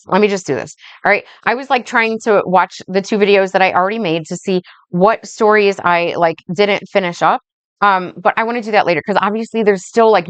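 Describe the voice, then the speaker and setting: Slow, blunt, smooth-voiced woman vlogger. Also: medium pitch, no room sound. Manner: meandering, blunt, swears freely, keeps checking in with "right?" and "okay?"; speaks slowly. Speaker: life coach. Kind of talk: rambling casual vlog monologue.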